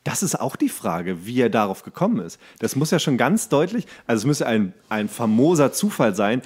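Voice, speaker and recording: A male podcast host with a medium-pitched voice chats casually. He thinks out loud in long, rambling turns and slips English slang into his talk. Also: sing-song, normal speed, breathy edge. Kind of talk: casual chat.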